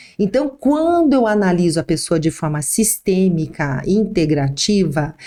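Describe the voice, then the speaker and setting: With a dark, mellow tone, a woman at medium pitch moves through very wide pitch swings at a fairly slow pace, her loudness very even. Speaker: esthetician. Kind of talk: podcast interview.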